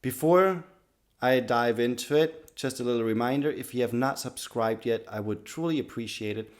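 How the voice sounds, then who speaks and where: A man with a slightly raspy voice from being sick, talking to camera in an earnest, loose way about personal growth. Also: mid-range voice, moderate pace. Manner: earnest, loose sentences with many restarts and "like". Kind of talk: casual talk to camera.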